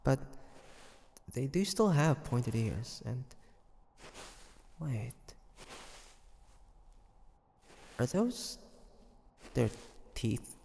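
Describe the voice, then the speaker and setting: A man's voice: mid-range voice, animated, extremely slow, vocal fry, pauses often, dark tone, slight background noise, full character voice. A man playing a curious, teasing demon hunter in an audio roleplay, talking to the listener in a hesitant, conversational way. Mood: hesitant, puzzled. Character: male demon hunter traveler, curious, teasing, softly tsundere. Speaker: voice actor.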